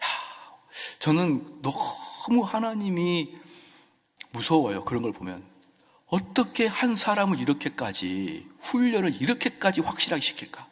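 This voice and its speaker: Give me a male pastor preaching dramatically, a lively voice in an echoey church hall. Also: on the high side, measured pace. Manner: dramatic, swinging from loud cries to whispers. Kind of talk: sermon. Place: church sanctuary.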